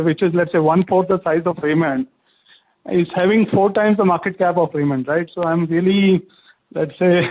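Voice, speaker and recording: High-pitched man on a phone line. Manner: hesitant, conversational, seeks agreement. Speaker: investor asking questions. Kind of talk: conference call questioning. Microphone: phone call. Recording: narrow tinny phone line.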